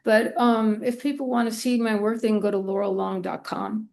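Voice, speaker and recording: A woman's voice: fairly high pitch, fairly even intonation, normal speed, vocal fry, a little mellow, slight background noise. Informal woman guest chatting in an interview. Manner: informal, loose, trailing phrases with "you know". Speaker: podcast guest, illustrator and art professor. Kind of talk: casual interview chat.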